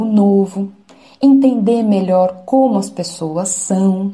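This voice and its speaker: A woman's voice, a normal speaking voice, with ordinary pitch variation. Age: 30s. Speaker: journalism professor. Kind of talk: explaining to children.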